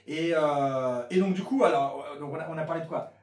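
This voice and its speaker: A man's voice: on the high side, brisk. A man hosting a casual Christian youth show, chatting with many fillers and reading Scripture aloud. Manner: animated, hesitant with many fillers. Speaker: youth ministry host. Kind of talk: casual chat and Bible reading. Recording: roomy sound from a distance.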